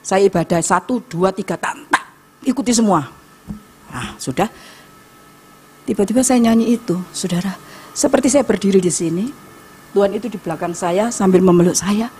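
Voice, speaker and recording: A woman, preaching a sermon in church, swinging between loud urging and soft storytelling. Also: mid-range voice, moderate pace, pauses often, a little hiss or hum. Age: 50s. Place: church sanctuary.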